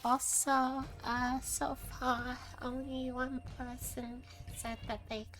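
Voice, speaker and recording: A woman voicing a cute, soft-spoken anime streamer character in a small, polite voice on a live stream. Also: sits high, little pitch movement, slow, faint music behind, voice pushed up, rough recording. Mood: sweet, polite.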